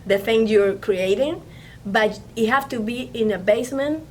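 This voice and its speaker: This on-the-high-side voice belongs to a Venezuelan film producer, a native Spanish speaker, interviewed informally in a studio. Her English comes haltingly, with frequent restarts and repeated words, and a little hiss or hum sits under the audio.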